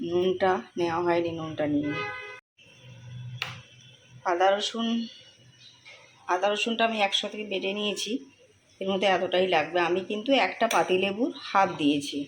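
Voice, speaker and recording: A woman talks through a recipe in her home kitchen, chatty and soft-spoken. Household and animal sounds come through clearly behind her. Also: on the low side, normal speed, pauses often, slight background noise. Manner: chatty, explains each step, talks softly while cooking. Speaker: vlogger cooking at home. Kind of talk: casual cooking vlog narration.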